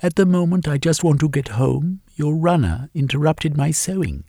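A man's voice: a little high, animated, normal speed, dark tone, no room sound, clean studio sound, pitched above the performer's own voice. A man voicing a composed young wife who answers her husband in a cool, matter-of-fact way. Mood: weary.

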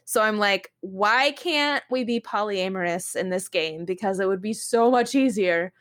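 A young woman chatting casually on a podcast in an animated, rambling way, full of "like" and exasperated storytelling. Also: mid-range voice, measured pace. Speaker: podcast co-host. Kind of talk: casual chat about games and anime.

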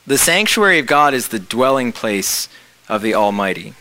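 A man's voice: medium pitch, sing-song, normal speed, sharp tone, rough recording. A man preaching a reflective sermon, explaining scripture with rhetorical questions.

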